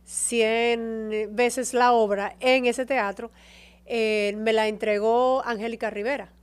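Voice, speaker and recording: Expressive woman with a higher voice. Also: slow pace, clear, resonant tone. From Dominican Republic. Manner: expressive storyteller, emotional about home. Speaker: guest, actress and TV presenter. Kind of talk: casual interview chat.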